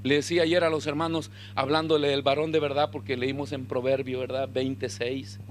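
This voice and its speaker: A man preaching a sermon as pastor, acting out voices and shouting at his peaks. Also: mid-range voice, level tone, a little fast, a little hiss or hum.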